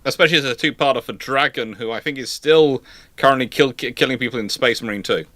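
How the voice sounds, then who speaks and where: A man's voice: medium pitch, fast talker, bright, forceful tone. Man hosting a rambling livestream Q&A. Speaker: host of a live naval history Q&A. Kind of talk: casual livestream chat answering questions.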